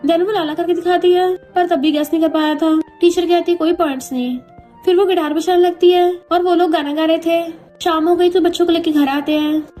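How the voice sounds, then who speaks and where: A woman's voice: extremely high pitch, fairly even intonation, fairly quick, dark tone, faint music behind. A woman narrating a drama recap in a casual storytelling way, reading every character's lines in her own voice.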